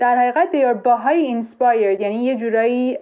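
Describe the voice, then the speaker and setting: A woman talks with a fairly high pitch. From Iran. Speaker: eye doctor and youth program volunteer. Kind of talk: interview.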